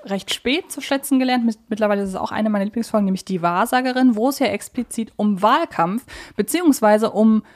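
A woman's voice: medium pitch, brisk, few pauses. A woman co-hosting a podcast, discussing things casually and conversationally with emphatic wording. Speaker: podcast co-host.

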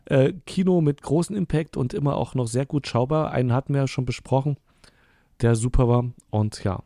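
A man's voice: medium pitch, fairly quick, warm tone, no echo, clean studio sound. A man in his forties co-hosting a casual film podcast, rambling and correcting himself as he talks. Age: 40s. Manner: rambling, self-correcting, amused. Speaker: podcast co-host.

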